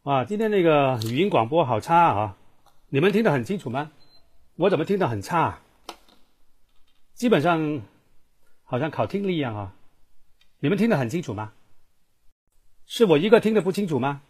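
A man's voice: a little high, sing-song, moderate pace, long pauses, a little mellow, husky. Chatty man teaching an online lesson. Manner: chatty, repeats himself, asks the class questions. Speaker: Thai language teacher. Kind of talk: live online language lesson.

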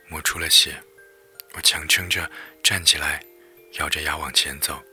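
A man's voice: rumbling low, sharp tone, slightly rough. A man reading a first-person romance story aloud as a storyteller, in an emotive, dramatic way.

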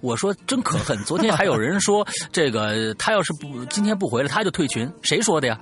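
A man, co-hosting a casual chat, telling a story with lively acted-out quotes. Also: on the high side, fairly quick. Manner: lively, acts out quoted lines.

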